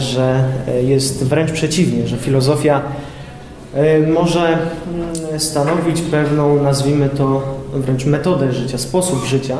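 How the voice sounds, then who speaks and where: A young man giving an informal lecture to high school students in a classroom, hesitating often with filler sounds as he explains. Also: a little mellow. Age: young adult. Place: classroom with projector screen, indoors. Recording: echoey room with long reverb, faint noise.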